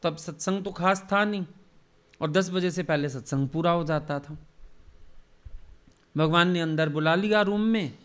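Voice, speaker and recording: Man telling devotional stories, fairly high voice. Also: a little slow, pauses often, fairly bright tone, smooth. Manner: reminiscing, acts out quoted dialogue. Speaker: spiritual teacher leading a satsang. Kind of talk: devotional storytelling sermon.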